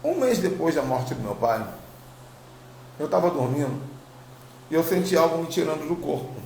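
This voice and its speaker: Brazilian male preacher, slight tongue-tie, creaky voice, emphatic repetitive storytelling, personal testimony, roomy echo. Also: fairly high pitch, very animated, moderate pace, a little mellow. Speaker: apostle, religious teacher. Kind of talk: personal spiritual testimony to online followers. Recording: roomy echo, faint background noise.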